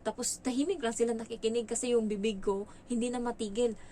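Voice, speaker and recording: With a high-leaning voice and a fast pace, this Filipina domestic helper recounts her experiences in a lively, casual way. She performs quoted dialogue and mixes in English, and a little hiss or hum is audible.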